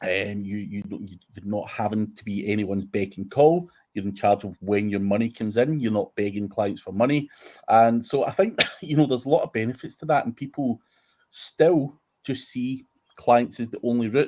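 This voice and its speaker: In a very clean recording with a silent background, a man speaks at a moderate pace and medium pitch, with ordinary pitch variation and big swings in loudness. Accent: Scottish. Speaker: digital marketing consultant. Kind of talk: interview. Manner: halting, filler words.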